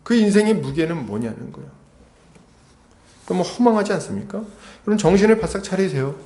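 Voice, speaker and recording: Lively pastor preaching in an echoey hall. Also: male voice, sits high, fairly quick, vocal fry. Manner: lively, conversational preaching with rhetorical questions and acted-out asides. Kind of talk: expository sermon. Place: church sanctuary.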